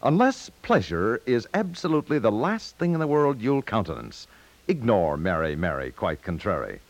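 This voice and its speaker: Lively American radio announcer, dry studio sound. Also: male voice, fairly low pitch, normal speed, dry recording, muffled recording. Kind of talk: scripted 1950s network radio announcing. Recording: dry 1950s radio studio, faint music.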